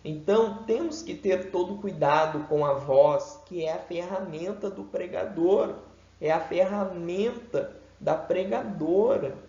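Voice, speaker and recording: A man with a Brazilian Portuguese accent teaching a seminary homiletics class in an emphatic, deliberate way, swinging his pitch and loudness for effect. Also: creaky. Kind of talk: homiletics lecture. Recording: echoey room, dull lo-fi sound.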